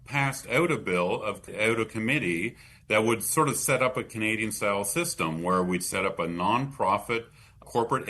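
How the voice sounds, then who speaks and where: A man with a North American accent, a policy expert explaining things in an interview with halting false starts. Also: fairly low pitch, pushed and bright.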